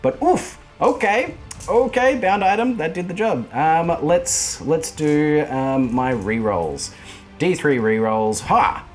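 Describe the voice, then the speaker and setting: An excitable man commentates his tabletop wargame in casual chat. His pitch moves a lot, leaping up at each surprise. He laughs often and talks to his opponent as he plays. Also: slow pace, faint music behind. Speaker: wargame player and channel host.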